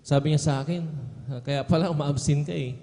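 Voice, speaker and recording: A man's voice: fairly high pitch, steady tone, fairly quick, dark tone. A young man with a Filipino accent giving an earnest testimony at a prayer service, saying "beloved" after almost every phrase. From Philippines. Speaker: church member giving testimony. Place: church hall. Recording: long reverb of a church hall.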